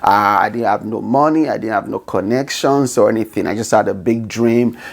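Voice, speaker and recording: A man's voice: lowish voice, normal speed, vocal fry. Nigerian man, earnest podcast talk. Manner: earnest, repeats "okay?" and "you know" often. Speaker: podcast host. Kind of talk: casual monologue.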